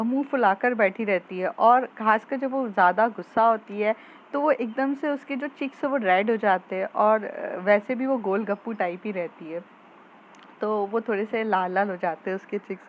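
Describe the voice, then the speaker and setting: A woman narrating a romance story in a casual, conversational way with small fillers. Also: medium pitch. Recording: muffled lo-fi with faint hiss.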